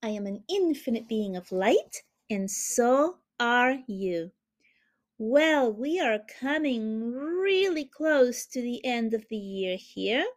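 A woman from Chile hosting a spiritual podcast, talking in a soft, reverent way and drawing out her words. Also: on the high side, animated, slow. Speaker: podcast host, spiritual healer.

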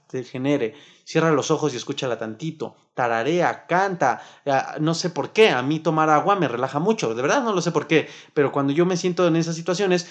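A man with a Mexican Spanish accent giving a motivational self-help talk, lively and acting out little stressed outbursts. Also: on the high side, highs cut off.

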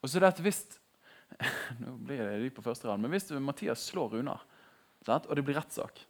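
A young man giving a casual, animated sermon in a conversational tone. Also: mid-range voice. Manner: conversational, animated, laughing at his own jokes. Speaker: preacher.

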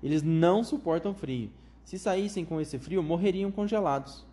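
A man voicing an eccentric, excitable chocolate factory owner with a high, flute-like voice who gushes out strings of welcomes. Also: close to an everyday voice. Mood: cheerful. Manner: gushing, rapid strings of enthusiastic welcomes.

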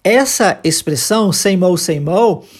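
Hosting a casual audio English lesson, a Brazilian teacher speaks in a middling, husky voice with lively intonation and an unhurried pace. His delivery is chatty and emphatic, with plain explanations and frequent quick tag questions to check on listeners.

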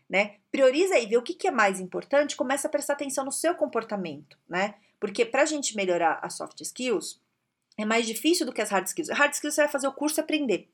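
Brazilian woman vlogging career tips, fairly high voice, lively and blunt, keeps asking "right?". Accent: Brazilian Portuguese. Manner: lively, direct, frequent tag questions. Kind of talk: casual advice talk to camera.

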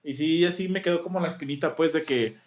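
A man's voice: fairly high pitch, fast, roomy sound. A man with a Mexican accent, co-hosting a podcast and telling a rambling story in slangy casual chat, acting out what people said. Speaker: podcast co-host.

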